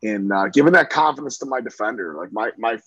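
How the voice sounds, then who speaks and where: Man from central new york, lacrosse coach, husky voice, dry sound. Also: mid-range voice, expressive, fast talker, a bit bright, no room sound, lo-fi sound. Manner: talkative, many fillers and restarts. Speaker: lacrosse coach, interview guest. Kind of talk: casual interview chat.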